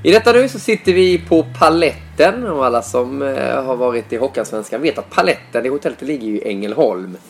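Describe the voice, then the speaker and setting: A man's voice: medium pitch, expressive, creaky, few pauses. Man, Småland accent, podcast host, chatty, faint hiss. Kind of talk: casual podcast chat.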